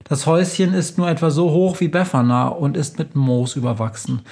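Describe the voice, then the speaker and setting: A man hosting and narrating a children's story in a calm, measured reading voice. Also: on the high side, creaky. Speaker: storyteller and podcast host.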